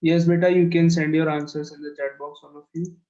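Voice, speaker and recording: Over dull, lo-fi online call audio, a South Asian-accented maths teacher keeps nudging his pupils and says his instructions again. He speaks briskly, with a fairly high pitch, a level tone and a warm quality.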